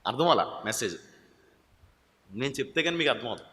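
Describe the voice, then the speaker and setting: A male pastor with a Telugu accent, preaching a sermon and calling out questions to his congregation, pressing them to answer loudly. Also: mid-range voice, sing-song, a little fast. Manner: calls out questions to the congregation, urging loud answers. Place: church hall. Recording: echoey hall with long reverb.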